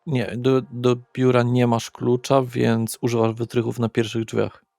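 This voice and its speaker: A man's voice: medium pitch, completely flat delivery, unhurried, gravelly, mellow, no room sound. A man working as game master, narrating an improvised tabletop horror role-playing session and addressing the players directly. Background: background music.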